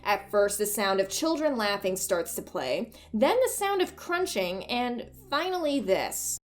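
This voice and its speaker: A woman with a medium-pitched voice delivers casual video commentary as a host. She is irreverent and joking, swears freely, and talks to her audience in a loose, conversational way. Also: sing-song, measured pace.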